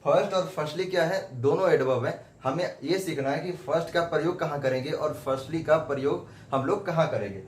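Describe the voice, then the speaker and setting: A man's voice: a little high, brisk, few pauses. A man giving a whiteboard grammar lesson who keeps asking questions and answering them himself, repeating points. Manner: repetitive, asks and answers his own questions. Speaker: English grammar teacher. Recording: echoey room with faint background noise.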